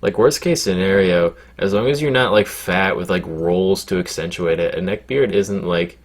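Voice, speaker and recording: Casting note: deep, deadpan male YouTuber, low-key and rambly, swears casually. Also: normal speed. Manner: deadpan, low-key, sounds glum by his own account; rambling with many fillers and swearing. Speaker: YouTuber answering viewer questions. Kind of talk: casual Q&A chat.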